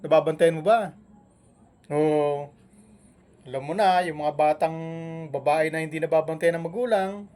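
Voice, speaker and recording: A man scolding and mocking a rival on a live stream, with taunting jabs and long humming pauses between them. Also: a little high, a little mellow. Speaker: vlogger.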